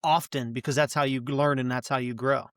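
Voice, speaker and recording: A man speaking as a podcast guest, enthusiastically giving advice and quickly agreeing with the others. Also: mid-range voice, fairly even intonation, fairly bright tone, no room sound, studio quality. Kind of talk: casual podcast chat.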